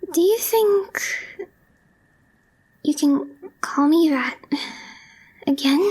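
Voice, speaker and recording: A woman playing a calm, reserved young girlfriend, shyly smitten, in a soft, breathy, hesitant ASMR roleplay voice that often drops to a whisper. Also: high-pitched, heavily acted. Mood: flustered, bashful. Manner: hesitant, understated, slow with long pauses.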